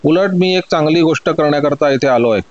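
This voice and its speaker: Gentleman thief, played by a man, calm, reassuring, slightly muffled sound. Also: a little high, fairly quick, dry recording, close to an everyday voice. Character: gentlemanly masked male thief, soft-spoken.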